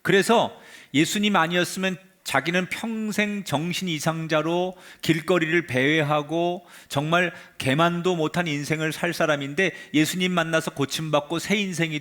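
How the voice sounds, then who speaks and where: A man, a pastor, preaching a sermon and retelling a story with drama, his voice sinking to a hush at the end of phrases. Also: a little high. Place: church sanctuary.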